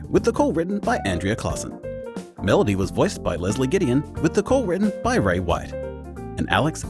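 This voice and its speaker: A man reading scripted podcast credits in a clear, polished announcer style. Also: medium pitch. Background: guitar music.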